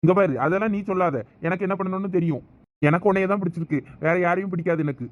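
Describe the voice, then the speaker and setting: A man's voice: high-pitched, rapid-fire, lo-fi sound, soft background music, natural voice. A man playing a pushy young lover. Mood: insistent, coaxing. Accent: Thoothukudi Tamil. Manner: pushy, coaxing.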